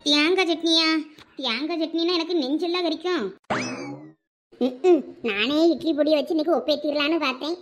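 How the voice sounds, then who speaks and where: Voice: high voice, normal speed, a bit bright, a little hiss or hum. A voice actor playing a stubborn, fussy older mother-in-law in a cartoon, with a Thoothukudi Tamil accent. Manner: stubborn, complaining. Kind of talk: cartoon voice acting.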